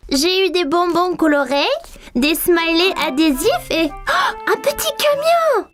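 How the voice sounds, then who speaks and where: A woman voicing a curious, excitable four-year-old boy in a dubbed cartoon, speaking with wide-eyed eagerness. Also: extremely high pitch, measured pace. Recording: cartoon soundtrack with music beneath.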